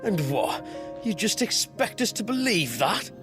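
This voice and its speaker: High-voiced, earnest tribal chief. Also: male voice, very animated, a little slow. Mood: defiant, shocked. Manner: earnest, emotional. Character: desperate, defiant young tribal chief, male. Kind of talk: dramatic game dialogue. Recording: music behind.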